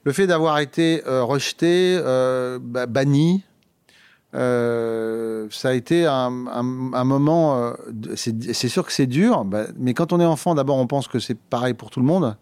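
A man from France recalls his childhood in an interview, his mid-range voice a little slow, mellow, and smooth, with no room sound. He's hesitant, filling his storytelling with fillers and restarts.

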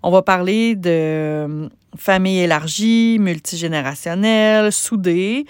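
A woman with a Québécois French accent, a business coach hosting a solo podcast, talking conversationally with many pauses and restarts. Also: fairly low pitch, clean tone, no room sound, studio quality.

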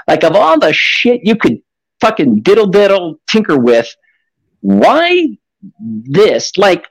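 Late-forties podcast host, high-ish voice that jumps around a lot, swears, dry close sound. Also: male voice, no room sound, rough recording. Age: 40s. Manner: animated, profane, rambling. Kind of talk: casual podcast chat.

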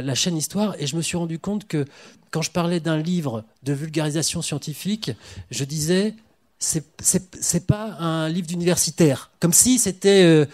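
A man's voice: on the high side, a little mellow. A man hosting and moderating a panel of historians, chatty, with self-deprecating asides. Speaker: host, moderator. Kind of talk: panel discussion.

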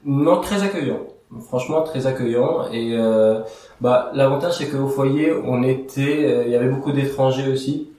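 A man's voice: mid-range voice, normal speed, warm tone, heavy reverb, distant mic. A young man from Iraq, whose first language is Aramaic, answering interview questions in a casual, hesitant way with many fillers and restarts. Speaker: interview guest.

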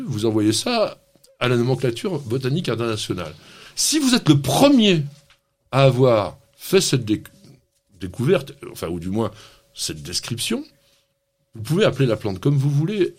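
A man's voice: mid-range voice, sing-song, moderate pace, a little mellow. A man hosting a radio gardening show, chatting enthusiastically and teasing his co-host with frequent laughs. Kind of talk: lively on-air gardening chat.

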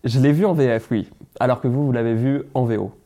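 A man's voice: mid-range voice, quick pace, mellow. A young man appearing as a podcast guest, speaking in a dry, witty way with short quips. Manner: dry, witty one-liners. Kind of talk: casual chat.

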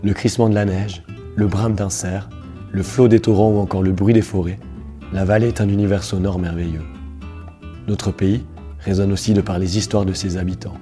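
A man with a dark, mellow voice hosts a podcast, moving from a read introduction to friendly questions for his guest. His voice sounds a little worn, and soft music sits faintly under him. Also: sits low, level tone, normal speed. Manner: warm welcoming narration, then friendly questions. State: slightly lost voice. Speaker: podcast host and interviewer. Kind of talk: scripted narration and casual interview.

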